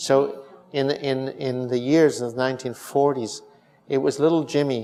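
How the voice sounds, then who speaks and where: Over noticeable background noise, a man with a medium pitch speaks at a fairly slow pace and with fairly even intonation. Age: 70s. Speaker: physician and researcher. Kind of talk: lecture. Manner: halting, many fillers.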